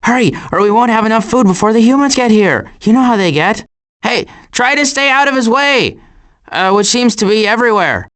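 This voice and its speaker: Wisecracking, deadpan cartoon animal adventurer. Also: male voice, high voice, fairly quick. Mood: urgent. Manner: dry sarcasm, deadpan asides. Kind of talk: animated video game voice acting.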